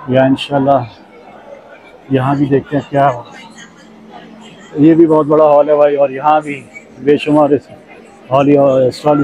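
A man's voice: a little high, darkish tone, a little hiss or hum. A man hosting a walking vlog at an expo hall, chatting with vendors and often repeating their answers back. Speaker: vlogger host. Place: large indoor expo hall. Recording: busy crowd around.

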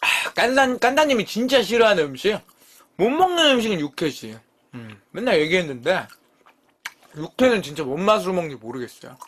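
Male streamer, thirties, casual live chat, high voice that leaps around, salty and teasing with his chat. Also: a little fast. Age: 30s. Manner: swears freely, teasing and bickering with chat; lively, jumps between mumbling and loud outbursts. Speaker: live-stream eating show host.

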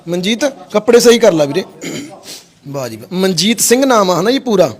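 A man volunteering with a social service group, talking gently and coaxing, with soothing phrases he says again and again. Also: high voice, expressive, moderate pace. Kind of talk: on-location coaxing talk.

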